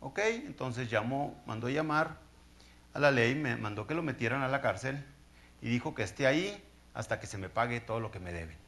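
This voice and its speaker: A man's voice: medium pitch, lively intonation, normal speed, fairly bright tone. Guy preaching, chatty storytelling, keeps asking the congregation "right?". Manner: conversational storytelling, checks in with listeners often. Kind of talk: sermon.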